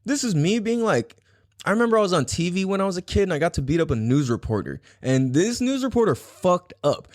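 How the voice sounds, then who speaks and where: A man's voice: high voice, big pitch swings, fairly quick, no room sound. A young adult man hosting a podcast, telling a rambling, profane story in a casual solo style. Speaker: podcast host.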